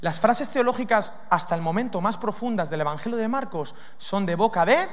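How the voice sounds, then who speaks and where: Man, preacher, very high voice, lively sermon, long hall reverb. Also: a little fast. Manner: lively, asks the audience questions, acts out demons' lines.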